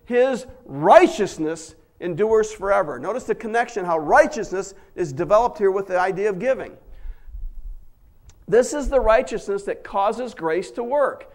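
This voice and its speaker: High-voiced man preaching a folksy sermon. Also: expressive, normal speed. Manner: folksy storytelling that builds to emphatic preaching. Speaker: pastor.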